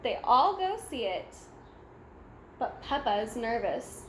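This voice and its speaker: A woman reading a children's storybook aloud in a deliberate, simple way for young listeners. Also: a little high, big pitch swings. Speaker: storybook read-aloud reader. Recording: echoey room with faint background noise.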